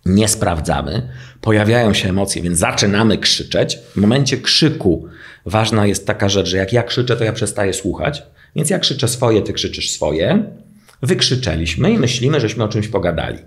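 A man's voice: on the low side, normal speed. A middle-aged man, a relationship therapist, chatting casually and acting out his clients' lines as he tells stories. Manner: animated storyteller, acts out clients' lines. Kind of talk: casual podcast conversation.

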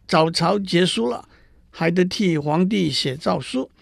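A man narrating a classic fable and explaining a poem in a measured, explanatory way. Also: high-pitched, gravelly, dry recording, studio quality. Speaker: storyteller. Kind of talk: storytelling narration for listeners.

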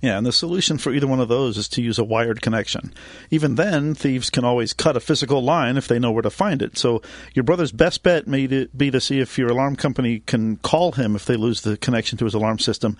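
Fast-talking male radio co-host. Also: mid-range voice, no echo, studio quality. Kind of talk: casual radio talk.

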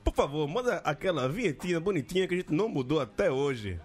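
A man's voice: fairly high pitch, very animated, fast talker. A man with a Northeastern Brazilian accent hosting a podcast with playful, teasing, sweary banter. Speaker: sports podcast host.

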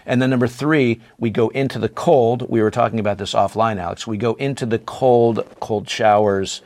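A man's voice: medium pitch, fairly even intonation, normal speed, darkish tone. A man speaking as a podcast guest and breathwork instructor, effusive and inspirational in a casual interview.

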